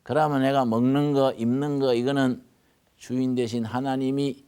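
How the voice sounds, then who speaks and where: Older male pastor, Gyeongsang Korean accent, mid-pitched, folksy storytelling sermon, hushed asides and loud bursts. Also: flat delivery, moderate pace, smooth. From North Gyeongsang, Korea.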